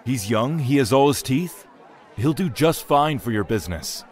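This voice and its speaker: A man's voice: medium pitch, expressive, normal speed, lightly acted. A man voicing a businesslike merchant buying a slave at market. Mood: haggling. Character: haggling merchant nephew.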